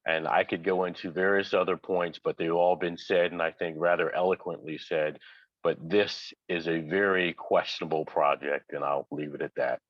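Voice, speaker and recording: Man, very low voice, calling in over video chat; dull, muffled call audio, measured delivery with frequent pauses. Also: steady tone, no echo. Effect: heard over a video call. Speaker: resident giving public comment. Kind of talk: public comment at a community meeting.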